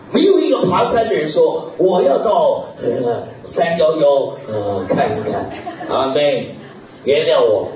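Animated male preacher in an echoey hall. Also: medium pitch, a little hiss or hum. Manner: animated, peppers talk with hallelujah and amen; chuckles often, bursts into shouts. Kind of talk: sermon. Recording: echoey hall, distant mic, dull lo-fi.

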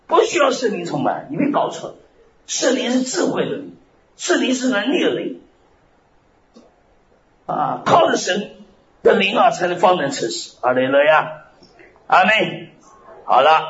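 A male pastor preaching a fiery sermon, animated and bursting into shouted phrases. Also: high voice, slight background noise. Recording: roomy, slightly dull recording.

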